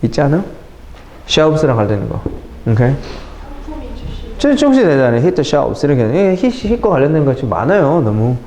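A man's voice: a little high, normal speed, pauses often. Male English teacher in an echoey classroom. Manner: mixes English phrases into lively explanation, addresses students as kids. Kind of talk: classroom vocabulary lecture. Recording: echoey classroom with faint noise.

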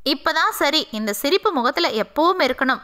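A woman voicing an old, sick father who speaks with slow, caring concern. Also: sits high, animated, pushed and bright. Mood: tender.

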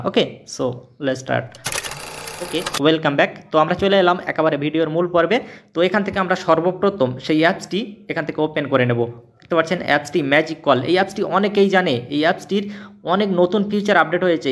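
A man voices over a phone tutorial at a very rapid clip. His voice sits a little high for a man. He explains each step emphatically, repeating himself like a keen salesman and dropping in English words. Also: a bit bright. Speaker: tech tutorial YouTuber. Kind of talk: tutorial voice-over for a screen recording.

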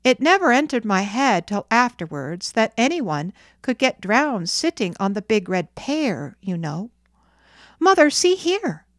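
A woman's voice: fairly high pitch, very animated, a little slow, dry recording, clean studio sound. A woman voicing a cocky, boastful young boy in a storybook, chatting in a lofty, eager way.

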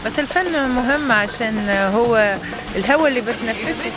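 A woman's voice: a little high, moderate pace, poor audio. A woman from Egypt with an Egyptian Arabic accent, a singer chatting in an interview outdoors, hesitant and full of fillers and restarts. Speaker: singer and guest. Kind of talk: casual interview chat. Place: outdoors by a fountain in a city square. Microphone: handheld microphone.

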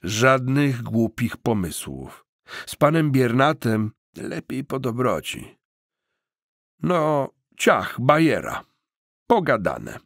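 Male narrator as big bald thug, husky, curt, menacing, swinging pitch, crude audiobook gangster. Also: very animated, slow pace, dry recording, clean studio sound, exaggerated voice. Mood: mock-friendly menace. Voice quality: booming. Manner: curt, slangy, threatening.

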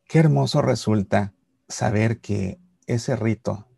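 A middle-aged man giving a Catholic reflection to camera, explaining patiently and slowing for solemn lines. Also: fairly low pitch, vocal fry, breathy edge, dry recording, studio quality. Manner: warm explanatory storytelling, slows for solemn lines. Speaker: Catholic YouTuber. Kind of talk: reflective religious talk to camera. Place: Seattle archdiocese series.

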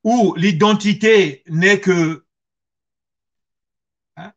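A middle-aged man speaks with a Congolese accent in a high, forceful voice. He takes his time, setting out his testimony earnestly and with emphasis, often through rhetorical questions. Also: very slow, dull audio. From Congo-Brazzaville. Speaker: guest speaker. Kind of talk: personal testimony on history and identity. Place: small furnished room at home, video call.

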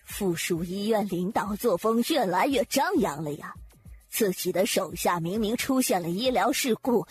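A woman's voice: medium pitch, lively intonation, moderate pace, soft background music, lightly acted. A woman playing an imperious, cold and indignant wife of a powerful man in an audiobook drama, haughty, accusing and sarcastic. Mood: cold accusation.

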